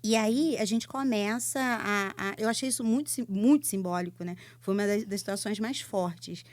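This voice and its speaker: A woman's voice: mid-range voice, normal speed. A woman with a Brazilian Portuguese accent, a psychologist telling stories animatedly in a podcast chat, with many fillers. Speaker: psychologist guest. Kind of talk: casual podcast conversation.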